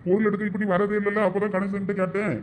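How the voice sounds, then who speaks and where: A man with a Thoothukudi Tamil accent playing a brisk shopkeeper in an amateur village drama. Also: sits high, flat delivery, slight background noise. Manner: brisk, businesslike.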